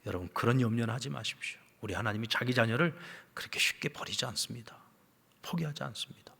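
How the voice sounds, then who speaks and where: A male pastor preaches in a church, his voice at a middle pitch. He tells a story, dropping to hushed whispers and rising to loud, emphatic lines. A long reverb trails each phrase. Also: fast talker, creaky, slightly rough. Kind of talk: sermon. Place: church sanctuary.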